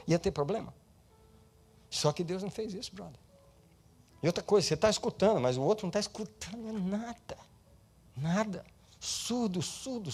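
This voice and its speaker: A male pastor preaching an animated sermon, swinging between loud and soft and slipping English words into his speech. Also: sits high, husky.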